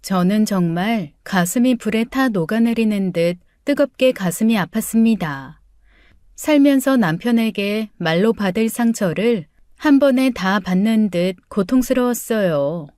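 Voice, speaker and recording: A woman's voice: medium pitch, expressive, warm tone, no echo, clean studio sound. Woman narrating a story in the first person. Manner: measured, earnest storytelling.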